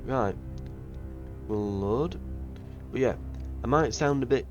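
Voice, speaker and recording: A man's voice: mid-range voice, slow, dull audio, soft background music. Chatty man with a cold. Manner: chatty, rambling, with fillers. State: slightly nasal from a cold. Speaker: let's play host. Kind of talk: casual gameplay commentary.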